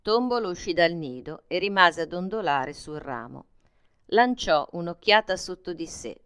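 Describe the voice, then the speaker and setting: A woman reads a children's picture book aloud in a calm, gentle, measured way. Her voice is low and smooth. The sound is dry and close, with no room echo. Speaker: storyteller.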